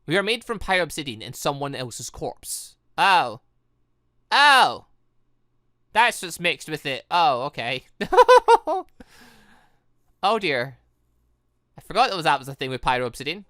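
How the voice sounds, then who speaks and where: A man's voice: a little high, wildly swooping pitch, unhurried, long pauses, bright, forceful tone, no echo, studio quality. A man hosting a gaming playthrough, reading visual novel dialogue aloud and reacting theatrically, stumbling and blurting exclamations. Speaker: gaming channel host.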